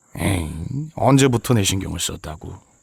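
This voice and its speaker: Putting on a character voice, a man sounds raspy. His pitch is fairly low and his pace moderate. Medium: audio drama. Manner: gruff, grumbling, old-fashioned speech.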